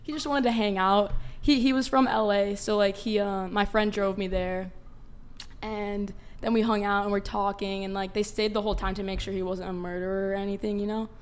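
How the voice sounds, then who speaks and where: A young woman of nineteen chats as a guest on a panel. She is informal and youthful, with a medium-pitched voice and casual phrasing. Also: fairly even intonation, a little fast, clear, resonant tone. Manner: youthful, chatty, informal, says "like" often. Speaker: panel guest, college student. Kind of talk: casual chat.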